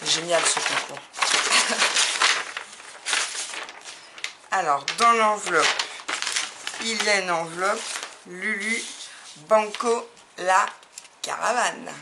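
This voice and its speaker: A woman's voice: medium pitch, takes it slowly, long pauses. A woman from France chatting casually as she opens fan mail for her craft videos, laughing often and gushing with enthusiasm. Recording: audible background noise.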